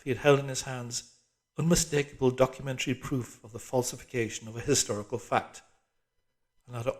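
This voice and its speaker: A man reading literary fiction as an audiobook narrator, measured and with dramatic emphasis. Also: mid-range voice. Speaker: audiobook reader.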